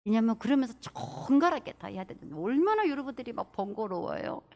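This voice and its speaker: Lively middle-aged woman pastor preaching. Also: fairly high pitch, brisk. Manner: lively storytelling, acting out church members' voices. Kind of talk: sermon. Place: church sanctuary.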